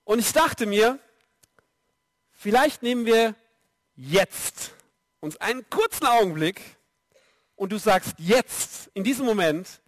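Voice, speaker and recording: High-voiced, unhurried man preaching. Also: dry recording. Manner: lively, direct address to the audience. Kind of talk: sermon.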